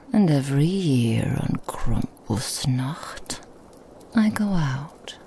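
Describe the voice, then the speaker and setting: A woman voicing a seductive, possessive female Krampus demon in a whispered ASMR roleplay, teasing and mocking in an intimate hush. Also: extremely low pitch, vocal fry, slight background noise, full character voice.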